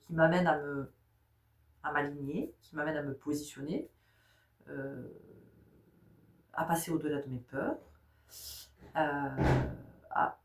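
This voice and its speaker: Chatty woman with a stuffy cold. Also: sits low. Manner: chatty, speaks directly to listeners, laughs often. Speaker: spiritual guide. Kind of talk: casual spiritual talk. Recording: roomy sound, distant mic.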